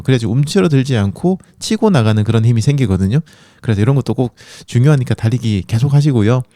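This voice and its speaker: A man's voice: medium pitch, mellow, no echo, clean studio sound. A man hosting a running podcast in a chatty, encouraging monologue, with a sore throat from a coming cold. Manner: encouraging, chatty, many fillers.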